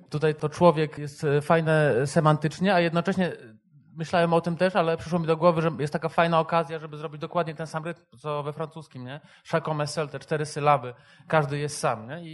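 A man who is a literary translator, talking hesitantly in a panel discussion, often restarting and ending points with a tag question. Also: on the high side.

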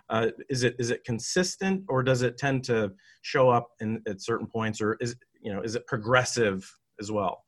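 Male interviewer, mid-range voice, halting and searching in questions. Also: medium pitch.

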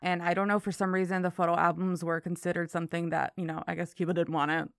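A woman's voice: fairly low pitch, level tone, fast talker, vocal fry, dry recording, studio quality. A woman from Miami in her thirties with an American accent, telling her story casually as an interview guest. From Miami, Florida.

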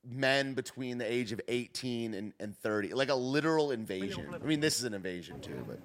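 Reacting to clips and chat on a casual livestream, this man jokes and rambles, frequently losing his thread and restarting. His medium-pitched voice is animated and quick.

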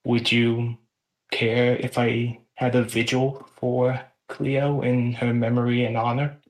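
A man plays a tabletop game in a slow, halting way. His voice sits mid-range and his pace is unhurried. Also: medium pitch, little pitch movement, a little mellow. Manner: hesitant, halting. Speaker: player. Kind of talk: casual tabletop role-play.

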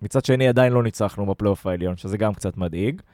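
A man's voice: on the low side, mellow, no room sound. Man hosting a football podcast, dry sound. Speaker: podcast host. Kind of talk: casual football fan chat.

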